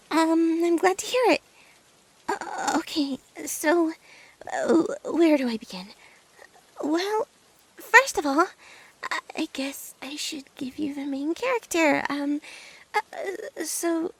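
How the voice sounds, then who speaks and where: Woman acting a high-pitched, flustered lovestruck girl. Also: animated, slow, long pauses, a bit bright, exaggerated voice. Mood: excited, flustered, then awkward, anxious. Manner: stammering, flustered, hesitant, often dropping to breathy whispers. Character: nervous lovestruck best-friend girl hinting at a secret crush. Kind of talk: ASMR roleplay acting, addressed to the listener.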